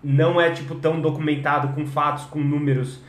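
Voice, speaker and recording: A young adult man from Brazil teaching English in a live stream, energetic, switching between languages and stretching out example words. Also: a little high, roomy sound. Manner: energetic, code-switching, drawn-out demo words.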